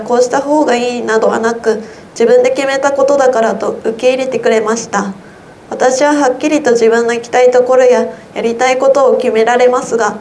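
A teenage high school girl reading her own essay aloud in an earnest, measured way for a radio broadcast. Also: a little mellow, a little hiss or hum. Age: teens. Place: radio studio.

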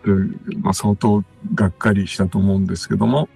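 A man, a composer and music producer appearing as a radio guest, recounting anecdotes in a relaxed, rambling way with many fillers and asides. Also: low voice, a little fast, gravelly, husky.

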